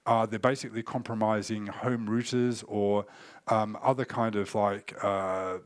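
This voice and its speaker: A man's voice: on the low side, no room sound, clean studio sound. A man in his forties, getting over a cold and coughing now and then, giving a conference keynote from a stage in a loose, explanatory way. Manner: loose spoken presentation with fillers, explanatory. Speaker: keynote speaker on cyber threat intelligence.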